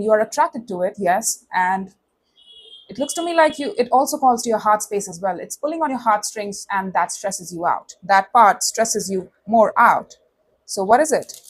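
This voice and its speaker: A tarot reader with a mid-range voice gives viewers a casual, conversational reading, often checking in with short tag questions. She has a lisp with slushy s sounds, and the recording is rough.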